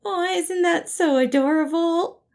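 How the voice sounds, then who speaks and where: A woman voicing a soft, sweet, eager and affectionate man in a storybook reading. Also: extremely high pitch, unhurried, pitched above the performer's own voice. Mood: gushing, scolding. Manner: gushing, tender, affectionate.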